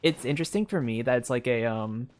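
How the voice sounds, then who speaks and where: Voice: mid-range voice, expressive, fast talker, a little mellow. A game streamer thinking aloud in casual commentary, speaking in a hesitant, rambling way full of fillers. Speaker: streamer playing a video game. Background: video game music.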